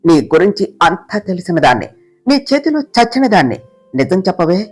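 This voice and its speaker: A woman voicing the vengeful ghost of a murdered young woman, speaking in a lowered, menacing, taunting voice. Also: big pitch swings, a little fast, breathy edge.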